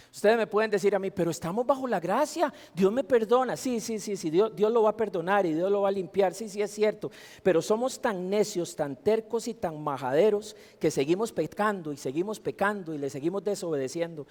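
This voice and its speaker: A man's voice: sits high, animated, normal speed, darkish tone. A man preaching a sermon in a church, asking the congregation emphatic rhetorical questions. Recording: long hall reverb.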